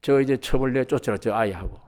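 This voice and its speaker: Middle-aged man, pastor giving a sermon; lively, acts out quotes, mid pitch. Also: quick pace. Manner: animated preaching, acting out quoted voices with rising pitch and volume.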